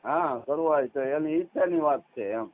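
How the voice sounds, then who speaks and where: A man's voice: a little high, moderate pace. Saurashtra Gujarati man on a tinny phone. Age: 30s. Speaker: caller, farmer. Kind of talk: casual phone conversation. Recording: tinny, narrowband phone call recording.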